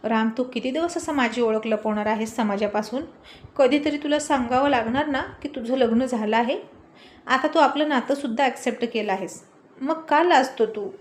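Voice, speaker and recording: A woman's voice: high voice, normal speed, close to an everyday voice. A woman voicing a stubborn young wife who complains and insists. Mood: insistent.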